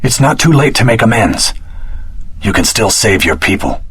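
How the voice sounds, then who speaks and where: A man playing an earnest, determined swordsman hero in a video game, speaking in a measured, serious way with a husky voice. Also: fairly low pitch, sing-song, fairly bright tone, full character voice. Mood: urgent pleading. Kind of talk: video game voice acting, cutscene dialogue.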